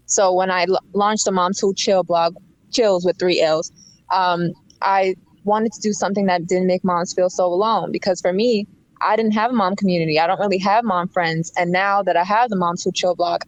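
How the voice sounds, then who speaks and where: A woman's voice: lowish voice, steady tone, moderate pace, no room sound, dull audio. A woman in her late twenties, a podcast guest, speaking earnestly and from the heart in casual chat. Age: 20s.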